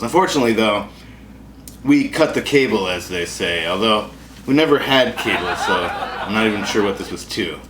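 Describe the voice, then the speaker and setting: An American man hosting a comedy show with a casual, wry, self-deprecating and sarcastic monologue. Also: medium pitch. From Wisconsin, United States. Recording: echoey room with clear background noise.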